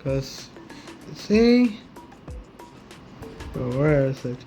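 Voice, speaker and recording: Slow, halting casual gamer commentary. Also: mid-range voice, sing-song, dark tone. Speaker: gaming YouTuber. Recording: faint game music behind.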